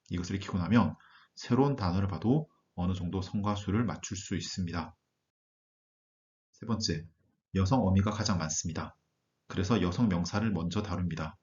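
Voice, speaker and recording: A man narrating a language lesson, reading word lists slowly and deliberately. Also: low voice, a little mellow, muffled recording. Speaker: German language teacher.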